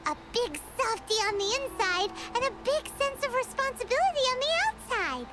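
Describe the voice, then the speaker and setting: A tiny, chirpy companion girl, squeaking far up high and leaping all over her range. She talks about herself by name, eager for snacks and fun. Game music plays loudly under her. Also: big pitch swings, normal speed. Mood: reassuring. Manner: speaks of herself in third person, eager. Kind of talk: video game voice acting. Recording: game audio with background music.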